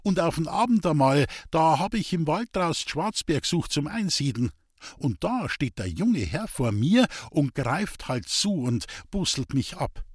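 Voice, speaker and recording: Guy putting on a tired old bavarian village woman, plaintive and bitter, higher voice, dry sound. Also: sing-song, a little slow, husky, dry recording, full character voice. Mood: weary, bitter. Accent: Bavarian dialect.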